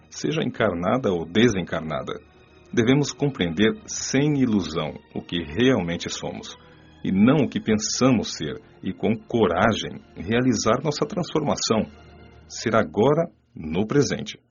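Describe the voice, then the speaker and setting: Brief: male actor as a wise spirit guide, lower voice, calm lecturing tone, muffled recording with faint music. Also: breathy edge, full character voice. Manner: measured, solemn lecturing. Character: wise male spirit mentor giving a moral lesson. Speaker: mentor character. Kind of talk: radio drama reading. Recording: dull lo-fi audio with soft music.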